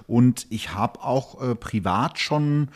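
A man's voice: mid-range voice, lively intonation, takes it slowly. A man talking in a casual, colloquial and self-ironic way, telling stories as a podcast guest. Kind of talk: casual chat, storytelling.

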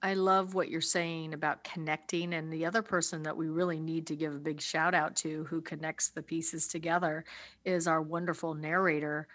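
A woman with a notably low voice chats casually on a podcast. She talks with enthusiasm and praise. The recording is dry and close. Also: level tone, moderate pace, fairly bright tone, no echo. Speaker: podcast co-host. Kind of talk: casual chat.

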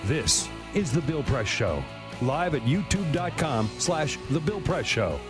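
A man's voice: on the high side, big pitch swings, measured pace. A man announcing a radio show's station ID with a punchy promo delivery. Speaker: show announcer. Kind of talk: produced station ID over music. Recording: voice over loud guitar music.

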